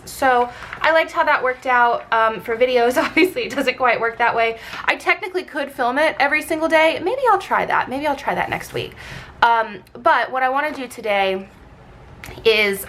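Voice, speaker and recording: A woman's voice: fairly high pitch, fairly bright tone. Congested woman chatting casually to viewers. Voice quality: congested, blocked-nose sound; slightly scratchy throat. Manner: informal, rambling, frequent "like". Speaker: planner vlogger. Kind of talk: casual chatty craft video narration.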